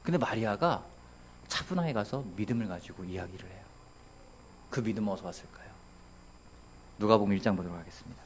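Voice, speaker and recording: A man's voice: fairly low pitch, fast talker, pauses often, slight background noise. A man in his thirties, a pastor preaching a sermon in a church, asking his congregation questions and acting out quotes playfully. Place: church sanctuary.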